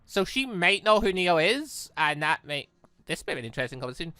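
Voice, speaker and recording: A man hosting a let's play, rambling excitably and thinking aloud in casual commentary. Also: fairly high pitch, brisk, dry recording. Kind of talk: casual game commentary with read-out dialogue. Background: faint music.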